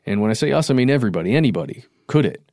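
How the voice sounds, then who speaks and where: Rapid-fire and lively in intonation, this man's mid-range voice has a darkish tone, captured dry and at studio quality. He co-hosts a podcast, casually and thoughtfully working through ideas while qualifying what he says.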